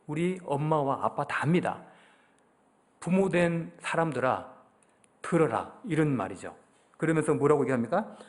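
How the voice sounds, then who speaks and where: Korean pastor preaching, fairly high voice. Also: male voice. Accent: Daegu Gyeongsang Korean. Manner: conversational preaching, asks the congregation questions. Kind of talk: sermon. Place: church sanctuary.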